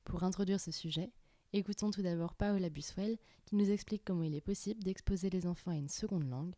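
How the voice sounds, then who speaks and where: A woman hosts a podcast, reading a scripted opening and asking calm questions in a warm, low, mellow voice. The sound is dry and close, with no room in it. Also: fast, no echo. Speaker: podcast host. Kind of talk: scripted intro and interview questions.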